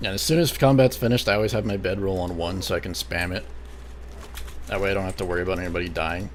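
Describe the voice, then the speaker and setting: A man's very deep, low voice at a very fast pace with lively intonation, amid noticeable background noise and audible room echo. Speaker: gaming streamer. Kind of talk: live gameplay commentary. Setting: live stream.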